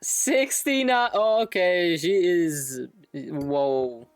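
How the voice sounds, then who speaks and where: A man's voice: sits high, very slow, clear, resonant tone, no echo, clean studio sound. A man doing casual gaming stream commentary, rambling and thinking aloud with some salty language. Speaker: game livestreamer.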